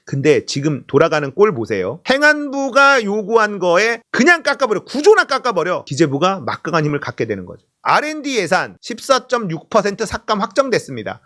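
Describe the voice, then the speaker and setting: A man giving a heated political commentary monologue, scolding and sarcastic, swinging from loud exhortation to muttered asides. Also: high-pitched.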